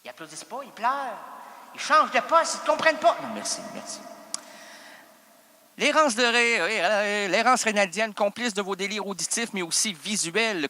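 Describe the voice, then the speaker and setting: Man, Québécois accent, bright tone, rambling comic improv, echoey hall. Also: sits high. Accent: Québécois French. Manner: rambling, self-interrupting, teasing the audience. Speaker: improv performer and host. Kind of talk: improvised comic stage monologue.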